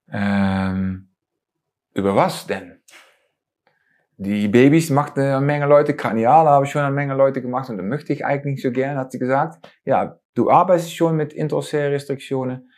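A man in his forties from the Netherlands speaking German with a Dutch accent, pausing often with fillers and small grammar slips as an interview guest. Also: mid-range voice, expressive, darkish tone. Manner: hesitant with many fillers and non-native grammar slips. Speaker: osteopath and lecturer. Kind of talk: conversational interview.

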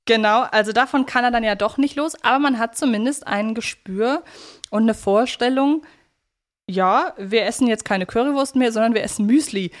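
A woman's voice: a little high, normal speed. Woman co-hosting a chatty podcast. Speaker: podcast co-host. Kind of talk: casual chat, analysing a radio play.

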